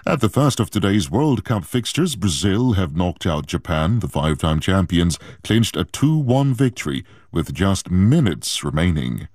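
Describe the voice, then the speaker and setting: Male radio newsreader, deep voice, measured formal read, dry booth. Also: big pitch swings, darkish tone, no room sound. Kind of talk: news bulletin reading.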